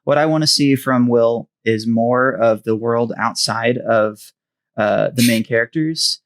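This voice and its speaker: A man's voice: medium pitch, measured pace. A man co-hosting a podcast in casual chat, hesitant, with many fillers as he searches for words. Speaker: podcast co-host.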